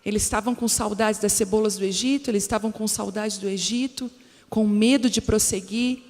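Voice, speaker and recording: A woman's voice: medium pitch, fairly even intonation, fairly quick, a little mellow. A woman from Brazil preaching a sermon as a pastor, speaking directly to the congregation and weaving in personal stories. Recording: long hall reverb with faint music.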